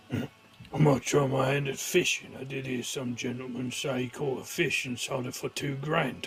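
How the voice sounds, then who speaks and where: Putting on a character voice, a man speaks raspily at a moderate pace in a medium pitch with monotone, flat intonation. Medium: game stream. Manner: cheeky, casual.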